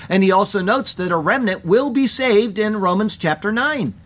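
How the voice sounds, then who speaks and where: A man preaching a verse-by-verse Bible sermon, reading scripture quotes with measured emphasis. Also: high voice, fairly bright tone.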